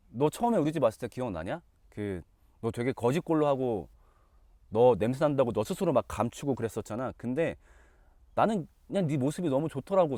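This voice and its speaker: A man doing a gentle, soft-spoken older brother. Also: medium pitch, dry recording, studio quality, lightly acted. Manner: soft, earnest, tender.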